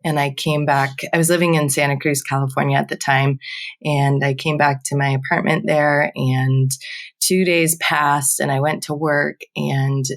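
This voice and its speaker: A woman's voice: sits low, little pitch movement, normal speed. A woman in her twenties, a podcast guest telling a personal story in a conversational way, often saying "like" and "um". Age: 20s.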